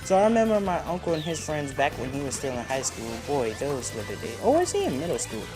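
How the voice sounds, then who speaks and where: Over video game music, a teenage boy of fourteen rattles off loose, opinionated commentary on his playthrough. His voice is slightly high and fast, swinging widely in pitch.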